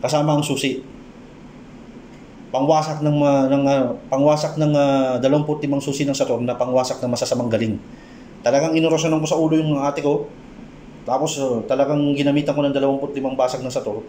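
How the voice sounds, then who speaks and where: A man sharing a story of his folk healing work in a slow, halting way, often pausing and restarting. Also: steady tone, echoey room, a little hiss or hum. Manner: drops low and soft when quoting his prayers and advice. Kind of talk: storytelling monologue.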